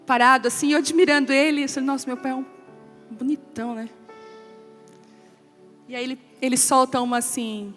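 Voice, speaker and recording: A woman pastor giving an emotional testimony sermon, telling a family story and quoting relatives in a softer voice. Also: high-pitched, steady tone, fairly quick, long pauses. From Brazil. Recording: long hall reverb with soft music.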